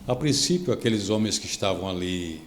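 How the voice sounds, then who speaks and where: A Brazilian man, a pastor, telling a story on a devotional podcast, lively and acting out the people he quotes. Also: low-pitched, fairly quick, roomy sound, a little hiss or hum. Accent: Brazilian Portuguese. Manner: animated storytelling, acts out quoted speech.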